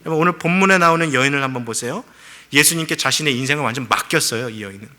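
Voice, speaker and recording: A man's voice: medium pitch, rapid-fire, sharp tone. A middle-aged male pastor preaching a sermon, telling a story with acted-out quotes and rising to fervent pleas.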